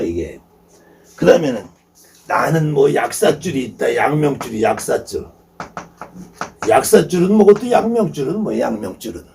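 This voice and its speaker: Brief: male lecturer, fry-heavy voice, lively swings, emphatic and dismissive, repeats his points. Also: fairly high pitch, distant mic, slight background noise. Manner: emphatic, repetitive, scornful rhetorical questions. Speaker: shaman lecturer.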